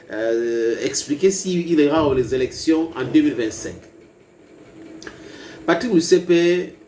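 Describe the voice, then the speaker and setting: Emphatic commentator, echoey room. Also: male voice, medium pitch, darkish tone, slight background noise. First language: English. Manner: emphatic, rising to heated bursts, addresses viewers directly. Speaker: online political commentator. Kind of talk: video commentary to viewers. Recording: roomy echo with faint ambience.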